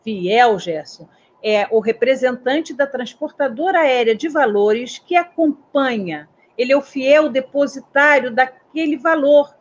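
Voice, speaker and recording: A woman in her sixties with a Brazilian Portuguese accent tells a story with a high voice. She keeps turning to her listeners with questions. The sound is a little dull and muffled. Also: a little slow. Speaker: aviation security specialist, guest. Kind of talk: storytelling in a talk. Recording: dull, slightly muffled audio.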